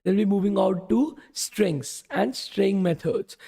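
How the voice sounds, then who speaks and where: A young bootcamp instructor teaches a live-streamed coding lesson at a measured pace, his high voice mellow and husky with vocal fry and worn from talking all day. He talks casually, takes questions from the chat, and keeps saying "okay" and "guys."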